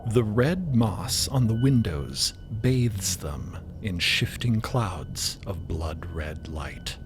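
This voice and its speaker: A man giving suspenseful, deliberate scripted narration for a fantasy audio drama. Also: fairly low pitch, lively intonation, noisy background.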